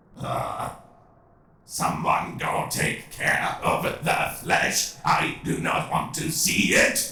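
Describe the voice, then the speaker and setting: A man talks very slowly in a put-on character voice. There is a slight echo. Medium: machinima. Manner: aloof, cold.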